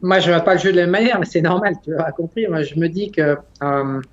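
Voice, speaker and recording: A man in his forties who talks bluntly and rambles, his voice sitting a little high. He laughs often and swears casually. The recording sounds dull and lo-fi. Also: fast. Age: 40s. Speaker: interview guest. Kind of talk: casual conversation.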